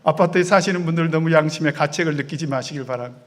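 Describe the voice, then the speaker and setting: Male preacher with a high voice; lively sermon delivery, voices the quoted characters, drops to near whispers. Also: fast. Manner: animated preaching, acting out quoted voices, swinging loud and soft. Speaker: pastor.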